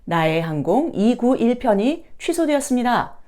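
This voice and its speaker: Lively-pitched woman teaching a language lesson. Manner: polite, explanatory, enunciates example phrases slowly for practice. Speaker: English teacher and video host. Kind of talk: instructional lesson with example phrases and translations.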